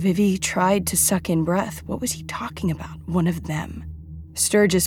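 Someone reads aloud in an unforced reading voice.

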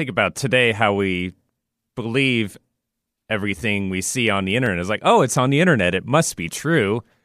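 A fairly low-pitched man at a fairly quick pace, with lively intonation, on a very clean recording with a silent background. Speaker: radio producer. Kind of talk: casual chat. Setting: radio studio. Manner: natural, conversational.

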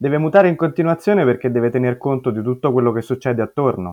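Here a man speaks with a Roman accent. His pitch is medium. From Rome, Italy. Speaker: bookseller. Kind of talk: interview.

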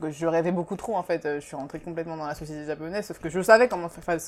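At a very fast pace, a woman talks in a fairly low pitch. Her pitch variation is ordinary. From France (Paris), Japanese-raised. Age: 20s. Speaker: tattoo artist. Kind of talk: casual interview. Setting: tattoo studio in Paris. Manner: halting, lots of fillers.

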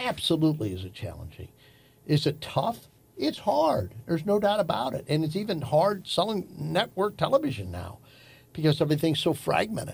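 On a very clean recording with a silent background, a man with an American accent speaks at a moderate pace in a fairly high voice with vocal fry and very wide pitch swings. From St. Louis, Missouri. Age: 70s. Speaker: retired radio sales executive, father of host. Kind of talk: casual interview, life story. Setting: studio.

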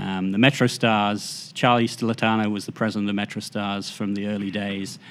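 A man with an English accent, fairly low in pitch, at a fairly quick pace with fairly even intonation. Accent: English accent, noticeable to American host. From southern England, Winchester near Southampton. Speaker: soccer marketing agency founder. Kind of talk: interview. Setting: office.

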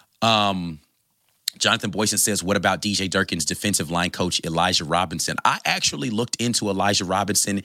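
Speaking at a fairly quick pace, a man with a very deep, low pitch and a bright, sharp tone sounds animated, his loudness very even on a very clean recording with a silent background. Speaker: sports show host. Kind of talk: live stream chat with viewer comments. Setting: indoor live stream. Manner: casual, animated.

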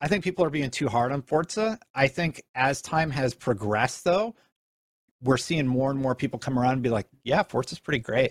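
A man speaks in a plain, everyday voice at a medium pitch and a moderate pace. His intonation is lively, and the sound is dry and close with no echo. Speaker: gaming journalist. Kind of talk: casual chat.

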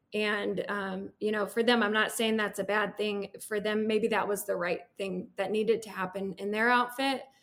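The pace here is moderate. A woman speaks at a medium pitch with a monotone, flat intonation. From US Midwest, Peoria, Illinois. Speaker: farmer and hemp grower. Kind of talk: interview.

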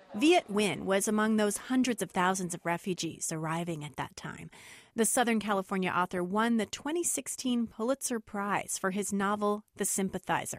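In a normal speaking voice, a woman talks at a moderate pace with hardly any pauses, using a medium pitch and ordinary pitch variation on a very clean recording with a silent background. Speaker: radio host. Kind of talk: scripted narration. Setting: studio.

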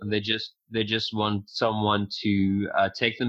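A man with a Norwegian accent, fairly low in pitch, at a fairly slow pace. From Norway. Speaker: men's coach. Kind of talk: in-depth interview conversation.

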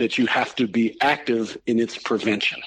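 A man with an American accent has an unremarkable speaking voice. His pitch is medium and his pace moderate. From US West Coast, San Francisco Bay Area. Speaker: sports podcast host. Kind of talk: casual chat.

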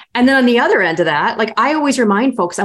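Talking at a very fast pace, a woman with a Midwestern US accent uses lively intonation. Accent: US Midwest. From Nebraska. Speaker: women's leadership coach. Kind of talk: interview.

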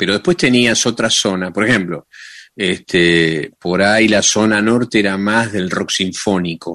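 A man speaks in an ordinary speaking voice, fairly low-pitched, at a moderate pace with ordinary pitch variation. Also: quiet background. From Argentina. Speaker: DJ and music producer. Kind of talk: casual interview.

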